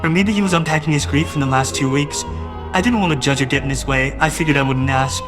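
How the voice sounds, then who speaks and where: A man's voice: fairly high pitch, quick pace, music in the background. A man narrating a first-person audio drama in a wistful, doting way that grows uneasy.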